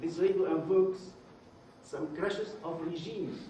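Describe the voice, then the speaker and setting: Noticeable background noise and audible room echo fill the clip. A man speaks fairly slowly in a high voice with ordinary pitch variation. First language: not English; English is third language. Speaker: conference speaker, media researcher. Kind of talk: conference talk. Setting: conference with audience. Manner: halting.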